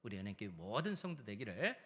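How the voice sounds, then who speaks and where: A male pastor preaching a sermon, asking rhetorical questions and stretching key phrases, swinging from loud emphasis to soft trailing endings. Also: on the low side, sing-song, fast talker, breathy edge. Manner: asks the congregation rhetorical questions.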